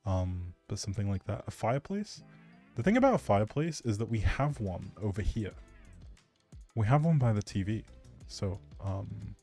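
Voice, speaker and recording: A man with a lowish, darkish voice and big swings in pitch talks at normal speed on a casual gaming stream. He replies to chat in a rambling, hesitant manner, often trailing off, with background music.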